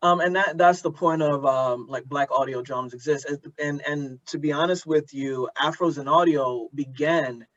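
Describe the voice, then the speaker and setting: A man's voice: a little high, steady tone, normal speed, hardly any pauses, fairly bright tone, no echo. A man hosting a thoughtful interview, speaking earnestly and searching for his words, on a slightly lo-fi recording. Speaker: podcast host, interviewer.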